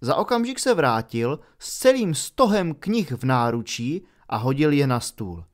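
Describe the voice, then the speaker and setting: Expressive male audiobook narrator. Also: mid-range voice. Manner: expressive, storytelling.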